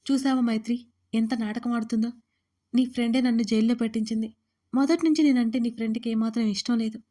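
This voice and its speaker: A woman's voice: on the high side, fairly even intonation, fast, dark tone, natural voice. A woman reading a desperate, pleading young lover. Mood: accusing. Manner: pleading, tearful, insistent.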